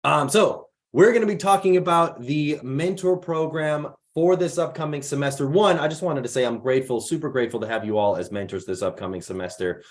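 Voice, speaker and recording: A young man from the Chicago area hosts a casual online mentor workshop over a video call. He is slightly raspy from allergies and chats easily, reading out attendees' names and where they are from. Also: fairly high pitch, a little fast, few pauses. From Chicago area, United States. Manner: chatty, reads out attendees' names and places. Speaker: program founder hosting a mentor workshop.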